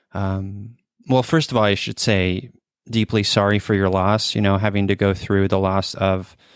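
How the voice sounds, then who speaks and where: A fairly low-pitched man at a fairly slow pace, on a very clean recording with a silent background. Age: 40s. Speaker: podcast host. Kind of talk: interview conversation.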